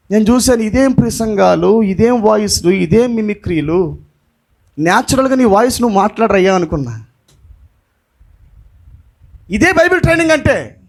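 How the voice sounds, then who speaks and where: A male pastor preaching an impassioned sermon, dropping in English phrases and shouting the lines he wants to stress. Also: very high voice.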